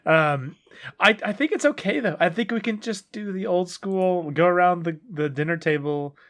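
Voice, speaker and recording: A man co-hosting a casual podcast, talking in long earnest rambles that trail off quietly. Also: high-pitched, moderate pace. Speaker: podcast co-host. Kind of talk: casual chat.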